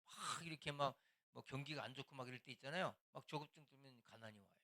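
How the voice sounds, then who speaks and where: An older pastor addresses his church's small-group leaders at a quick pace, his mid-range voice bright and forceful. His preaching stays loose and conversational, punctuated by moments where he acts out someone scolding.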